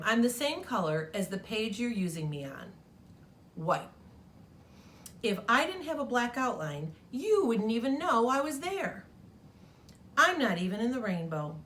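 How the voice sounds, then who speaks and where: A woman's voice: on the high side, fairly bright tone, slight background noise. A woman reading the letter of a lonely, overlooked white crayon from a storybook, in a wistful tone.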